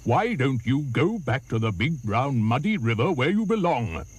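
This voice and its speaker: A man voicing a big, indignant male elephant with loud, drawn-out scolding. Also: medium pitch, very animated, breathy edge.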